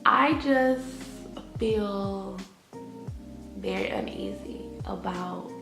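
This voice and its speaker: A woman's voice: mid-range voice, huge pitch swings, very slow, vocal fry. A woman with an African American accent talking candidly in a personal vlog, conversational and repeating phrases for emphasis. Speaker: English teacher vlogging. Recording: roomy echo, faint music behind.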